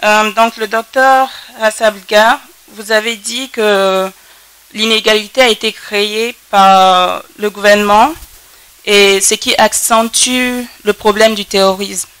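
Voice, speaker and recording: A woman's voice: mid-range voice, steady tone, slow pace, fairly bright tone, clean tone, dry recording. A woman making a formal observation from the audience, choosing her words carefully. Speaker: audience member commenting at a panel.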